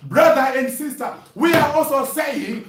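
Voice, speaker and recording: A man preaching a fiery sermon, shouting and breaking in with "hallelujah" and "glory be to God" often. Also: very high-pitched, expressive, unhurried. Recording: echoey, from far off the mic.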